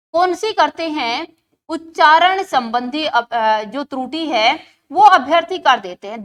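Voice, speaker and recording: A woman's voice: high voice, fairly bright tone. A woman teaching an exam-prep lesson who keeps asking questions and answering them herself, repeating key words for emphasis.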